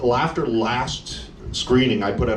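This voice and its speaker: The room gives off audible echo. Within it, a man talks. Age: 60s. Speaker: indie filmmaker. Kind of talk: audience Q&A after screening. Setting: live audience at screening.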